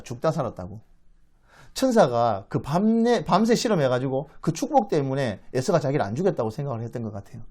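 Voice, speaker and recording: Animated male Bible lecturer with a lively voice. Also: mid-range voice. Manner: animated, acts out the quoted speech, asks the audience questions. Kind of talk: dramatic storytelling lecture.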